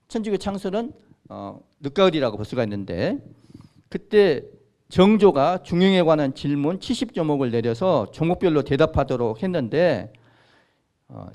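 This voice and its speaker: In a lecture room, a man in his sixties who is a priest chats with his audience through an informal history talk, posing questions and wandering into asides. His voice is fairly high-pitched and mellow.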